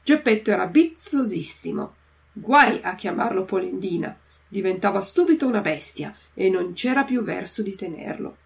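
A woman storyteller reading a children's classic aloud, chapter by chapter. Her voice has a gravelly, creaky texture, and she stops to explain difficult words. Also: medium pitch, animated. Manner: slow, explains hard words first.

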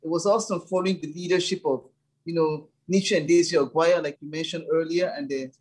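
A woman speaks in a low, breathy voice. She talks earnestly and thoughtfully and keeps her sentences flowing. She sounds like a church leader looking back on her past. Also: fairly even intonation, fairly quick, a little mellow, poor audio. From Nigeria. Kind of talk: casual interview talk.

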